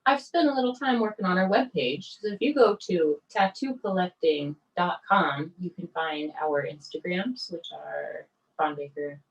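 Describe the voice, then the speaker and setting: A chatty woman co-hosting a podcast, her voice sitting low for a woman. She talks casually and loosely, with plenty of "like". She sounds a little distant from the microphone. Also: moderate pace. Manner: chatty, uses "like" a lot. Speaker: podcast co-host.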